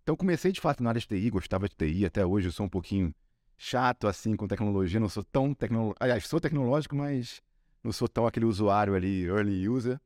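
A man from Rio de Janeiro speaks with a Carioca accent, rattling through his story at a quick clip. His voice sits a little low, and he keeps tossing in little tag questions. The sound is dry and close. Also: animated, a little mellow, dry recording. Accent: Carioca Brazilian Portuguese. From Rio de Janeiro, Brazil. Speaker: guest, sales executive. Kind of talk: casual podcast interview.

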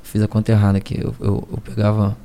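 A man in his thirties with a Rio de Janeiro accent, a rap battle MC talking slowly as a podcast guest, hesitant and full of slang fillers. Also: lowish voice, completely flat delivery, vocal fry, mellow, slight background noise. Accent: Carioca Brazilian Portuguese. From Niterói, Rio de Janeiro, Brazil. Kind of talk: casual interview chat.

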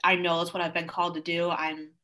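A woman's voice: on the low side, flat delivery, quick pace, pushed and bright, a little hiss or hum. A woman of twenty-one, a college student, talking as an interview guest in an earnest, upbeat way. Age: 20s. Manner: earnest, upbeat, with frequent fillers. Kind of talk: casual interview conversation.

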